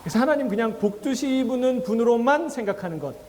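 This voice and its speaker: A man's voice: very high voice, lively intonation, brisk, darkish tone, in a large hall, slight background noise. A male pastor preaching a sermon in a conversational way, asking the congregation questions and acting out quoted voices with a chuckle. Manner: acts out quoted voices with laughs. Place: church sanctuary.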